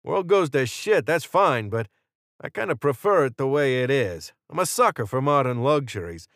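A cocky male gunman, acted by a male audiobook narrator, pitched well up from a middle register. He is glib and flippant, tossing out slang with casual sarcasm. The sound is dry and close. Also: sing-song, normal speed, a bit bright, no echo. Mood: defiant, flippant. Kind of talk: audiobook character dialogue.

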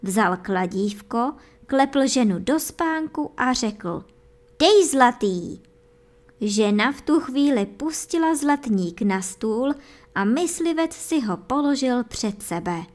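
A woman reading a folk fairy tale aloud for children and adults, telling it in a lively, expressive way. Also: a little high. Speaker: storyteller.

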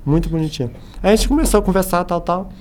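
A Brazilian man chatting casually as a podcast guest, telling anecdotes in an animated way and acting out the dialogue. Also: high voice, fast, a little hiss or hum. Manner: animated retelling with acted-out dialogue.

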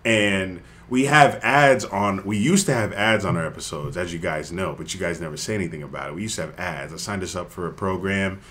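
A man co-hosting a casual podcast, loud and excitable, swearing and laughing often. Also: sits low, fairly quick, few pauses. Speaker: podcast co-host. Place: room with others around a table.

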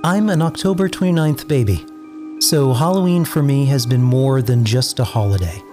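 A man's voice: medium pitch, moderate pace, over music. An American man in his forties from New England, narrating a scripted introduction as showrunner in a theatrical, lyrical storytelling manner. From New England, United States.

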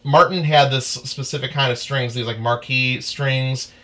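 A man's voice: medium pitch, unhurried. Rambling young man musician. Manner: rambling, animated storytelling. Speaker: musician guest. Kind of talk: casual interview chat.

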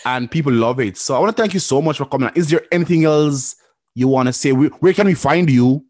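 A man's voice: a little high, quick pace, a little mellow, no echo, clean studio sound. A man who is a chef hosting a podcast, encouraging his guest and often saying "yeah.". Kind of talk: casual interview chat.

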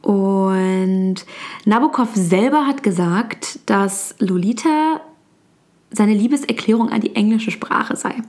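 A woman's voice: mid-range voice, expressive, slow pace, darkish tone. A young woman whose first language is Turkish, talking casually about a book with many fillers and restarts.

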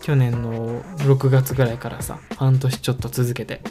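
A young man from Osaka with a Kansai accent, co-hosting a casual couple podcast in a relaxed, rambling way with lots of fillers. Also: medium pitch, moderate pace, music in the background. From Osaka, Japan. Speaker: podcast co-host.

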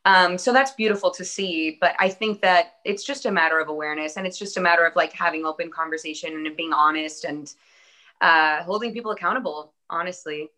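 A woman's voice: fairly low pitch, brisk, pushed and bright. A woman in her early thirties, an actress and interview guest, born in the US with Spanish as her first language, talking in a casual, earnest, optimistic way with frequent "um"s. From born in Atlanta, Georgia, US. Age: early 30s. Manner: upbeat, earnest, lots of "um" and "I think".

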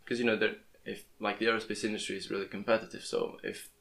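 A man's voice: lowish voice, very animated, fast talker, vocal fry, a bit bright. A young man, a native Portuguese speaker, talking in a casual podcast interview, often restarting his words. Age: young adult. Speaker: podcast host. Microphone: plugged-in podcast microphone.

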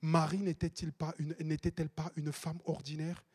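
A man, preaching a sermon as a pastor with emphatic, repeated exhortations that break into shouts. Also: a little high, flat delivery, normal speed, breathy edge. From Cameroon.

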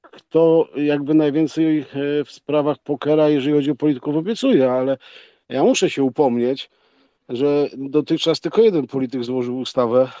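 A man giving informal remarks as a guest speaker, halting and rambling, often repeating his words. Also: a little high, dark tone, no room sound. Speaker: poker event co-organizer, guest speaker.

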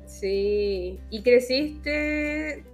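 A Chilean woman speaks as the host of an interview podcast. Her voice sits a little high. She keeps the exchange casual and conversational, and faint music can be heard along with her. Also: very slow.

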